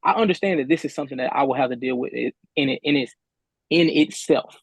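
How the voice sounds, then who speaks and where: A man's voice: mid-range voice, fast, slightly rough, no echo. A man speaking as a defendant in a remote court hearing over buzzy, glitchy call audio, stammering and repeating words as he presses his point. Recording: dull, dry call line.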